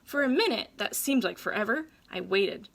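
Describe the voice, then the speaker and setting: A woman reading a children's story aloud like a teacher, with deliberate, dramatic phrasing for young listeners. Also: medium pitch, animated, vocal fry, background noise.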